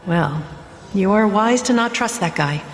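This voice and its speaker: An actress playing a caring, composed superheroine mentor, concerned and reassuring, in an audio drama. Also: female voice, mid-range voice, lively intonation, measured pace. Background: music.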